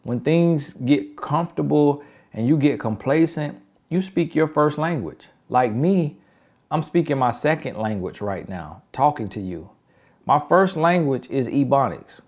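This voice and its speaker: A man's voice: a little high, expressive, measured pace, a little mellow. A man with a country Southern accent giving relationship advice in an emphatic, repetitive motivational style. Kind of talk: motivational talk.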